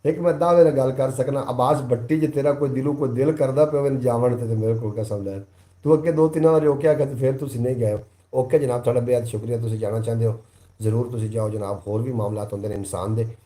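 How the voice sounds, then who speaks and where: Man, Punjabi accent, live stream host, mellow voice, roomy echo, chatty, reads comments aloud. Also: mid-range voice, steady tone, brisk. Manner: chatty, thanks viewers one by one, recites couplets. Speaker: livestream host reading viewer comments. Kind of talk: casual live chat.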